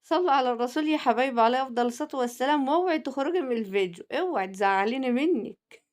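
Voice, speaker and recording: A woman's voice: high-pitched, expressive, very fast. A middle-aged woman with an Egyptian Arabic accent, narrating a home cooking video and chatting directly with her viewers in a teasing, homely way. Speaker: cooking channel host.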